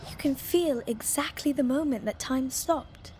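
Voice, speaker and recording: A mysterious girl guide in a fantasy game speaks in a high, unhurried voice. She is playful and cryptic, teasing gently, and her words ring in a long reverb over faint music. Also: a little hiss or hum. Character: enigmatic playful girl guide in a cursed mythic Persia. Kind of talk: video game dialogue.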